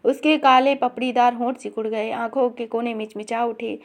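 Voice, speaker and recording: Woman reading a story aloud, higher voice. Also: level tone, moderate pace. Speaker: story reader. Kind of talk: storytelling narration.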